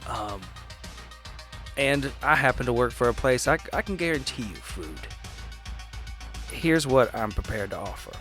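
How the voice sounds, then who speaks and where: A man playing a tabletop roleplaying game, improvising persuasive speeches in a casual, halting way. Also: medium pitch, animated, a bit bright, soft background music. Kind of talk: improvised in-character negotiation and table talk.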